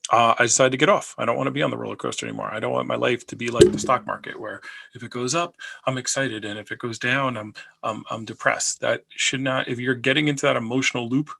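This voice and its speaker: Gravelly man chatting about money. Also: medium pitch, fast, pushed and bright, a little hiss or hum. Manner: rambling, repeats himself, many fillers. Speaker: personal finance video host. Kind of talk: casual talk to camera.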